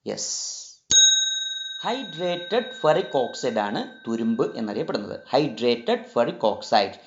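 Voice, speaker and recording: A man's voice: mid-range voice, very animated, vocal fry, slight background noise. Man teaching a chemistry quiz, roomy sound. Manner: repeats each question, switches between languages, coaxing pauses. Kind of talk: quiz lesson, asking and answering questions. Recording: roomy, slightly dull sound with faint music.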